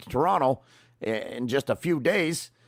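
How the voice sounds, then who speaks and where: The voice is loud and bright, with a sharp tone and lively intonation. The recording is very clean and silent behind it, with a dry, close sound and no echo. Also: man. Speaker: podcast host. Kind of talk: solo podcast monologue. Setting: home podcast room.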